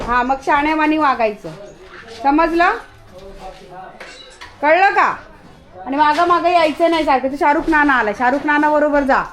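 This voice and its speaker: A woman vlogger, talking to her dog and her viewers in a loud, affectionate, scolding way. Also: high voice, moderate pace, long pauses. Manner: scolding, affectionate, calls out loudly. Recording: busy crowd noise behind.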